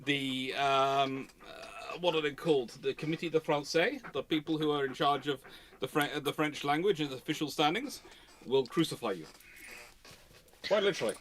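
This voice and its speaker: Bright-voiced British man, thinking aloud. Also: a little high, moderate pace. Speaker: host answering viewer questions on a livestream. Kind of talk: casual live question-and-answer talk.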